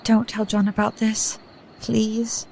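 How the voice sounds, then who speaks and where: An actress playing a frail young woman who sleepwalks, speaking softly in formal period English in a radio play. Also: fairly high pitch, completely flat delivery, slow, gravelly, slight background noise, poor audio. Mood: frightened. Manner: soft, earnest, period-formal speech.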